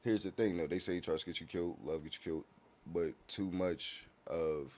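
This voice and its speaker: A very low-voiced man chatting as a podcast guest about his music. His talk is loose and slang-filled, and he keeps checking in with his listener. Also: steady tone, moderate pace, a little mellow. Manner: laid-back, slang-heavy, often asks "you feel me". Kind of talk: casual podcast conversation.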